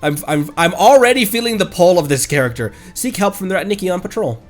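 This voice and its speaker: A man's voice: high voice, animated, quick pace. A man live-streaming casual game commentary in a giggly, gushing way. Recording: game music faintly behind. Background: video game music.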